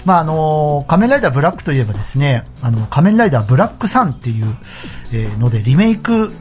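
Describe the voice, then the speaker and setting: A man's voice: on the high side, very animated, fast, darkish tone. A man hosting a solo show, talking casually and politely to his listeners. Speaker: host of a solo radio-style show. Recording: background music under the voice.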